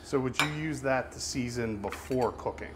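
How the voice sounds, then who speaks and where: A man's voice: medium pitch, normal speed, a little hiss or hum. A man hosting a podcast, chatting in a friendly joking way with a guest chef. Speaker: podcast host. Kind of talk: casual interview chat.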